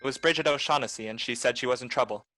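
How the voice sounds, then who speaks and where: Bright, forceful hard-boiled detective played by a man. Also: medium pitch, very fast, close to an everyday voice. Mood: wry, weary. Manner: terse, deadpan, tough. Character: hard-boiled, wry male private detective. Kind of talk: noir radio play narration and dialogue.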